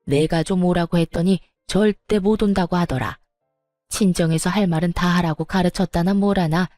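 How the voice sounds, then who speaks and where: A woman's voice: fairly low pitch, normal speed, a little mellow, dry recording, soft background music, close to an everyday voice. A woman voicing an angry, sarcastic older mother-in-law who bullies her daughter-in-law. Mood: scolding. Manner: sneering, bullying, sarcastic.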